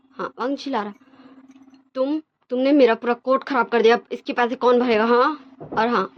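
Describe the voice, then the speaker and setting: A woman's voice: on the high side, lo-fi sound, a little hiss or hum. A woman host casually retelling a fan story, chatty and full of fillers, mixing in English words.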